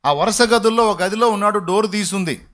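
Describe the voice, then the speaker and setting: A man preaching a sermon as pastor, telling a story and acting out its voices with sudden loud and hushed turns. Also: sits high, brisk.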